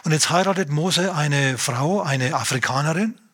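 A man preaching a lively sermon, retelling scripture in a conversational way and acting out the dialogue. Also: on the high side, normal speed, slightly rough. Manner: animated, acts out dialogue in a conversational tone.

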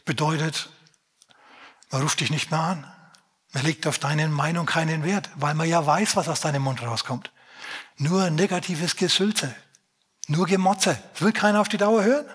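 A man preaching a sermon in a lively, conversational way, speaking straight to the congregation with many rhetorical questions. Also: on the high side, normal speed, husky.

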